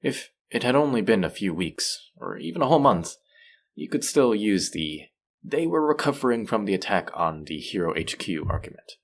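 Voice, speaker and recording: Man playing a low-voiced manipulative supervillain captor. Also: big pitch swings. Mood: stern, persuasive. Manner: measured, condescending, coaxing. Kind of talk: scripted roleplay audio drama.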